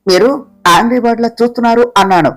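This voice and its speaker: The storyteller plays Manu, a pert, quick-witted young woman who talks back to her boss. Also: a little high, lightly acted. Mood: cheeky. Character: cheeky young woman, new office assistant.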